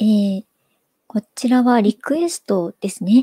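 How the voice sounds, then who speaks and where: A woman's somewhat breathy, fairly high voice with a dark, mellow tone and ordinary pitch variation, at a fairly slow pace, dry and close with no echo. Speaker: live stream co-host. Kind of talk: casual chat. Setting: live stream, online.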